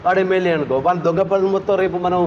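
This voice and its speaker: A man's voice: sits high, fairly even intonation, rapid-fire, a little mellow, muffled recording, a little hiss or hum. A man, an activist rattling off rambling accusations in an interview. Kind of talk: heated complaint in interview.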